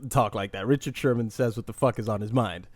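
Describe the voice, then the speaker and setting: A man hosting a casual podcast, talking in an animated, opinionated way and poking fun at himself. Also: fairly low pitch, quick pace, crowd noise. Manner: animated, opinionated, with mock impressions and self-mocking laughs. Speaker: podcast host.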